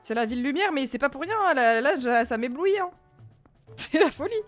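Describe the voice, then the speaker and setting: Faint game music sits beneath this casual gaming commentary from a female streamer in her twenties. She chats and rambles to her viewers, responding to chat, in a high, expressive voice at a moderate pace.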